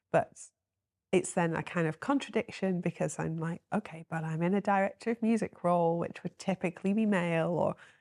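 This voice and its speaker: A woman speaks quickly with a northern English accent, her pitch fairly low and her intonation ordinary in its variation. The recording is very clean and dry, close-sounding with no echo against a silent background. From northern England. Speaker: organist and university researcher. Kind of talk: casual interview chat.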